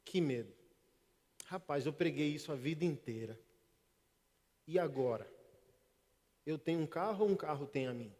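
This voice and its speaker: A middle-aged man from Northeast Brazil preaching a sermon, telling stories and swinging between hushed and loud. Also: on the high side, animated, moderate pace, long pauses. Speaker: pastor. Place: church service. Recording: reverberant church hall.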